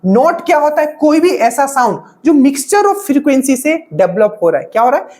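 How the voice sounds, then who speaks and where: A woman's voice: sits high, big pitch swings, moderate pace, mellow. Chatty woman teacher, repeats "okay?". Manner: explains with constant "okay?" check-ins and repetition. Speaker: exam-prep teacher. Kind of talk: casual spoken lecture.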